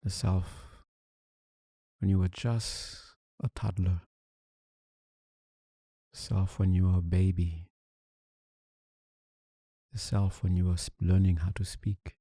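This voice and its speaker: A man leading a guided meditation, calm and soothing, speaking in deliberate short phrases with long pauses. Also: sits low, slightly rough, dry recording, clean studio sound. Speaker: meditation teacher.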